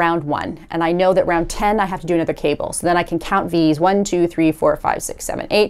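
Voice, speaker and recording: A woman with a Canadian accent, an unremarkable speaking voice, fairly low pitch and ordinary pitch variation. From Canada. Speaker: knitting podcaster. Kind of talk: casual chat.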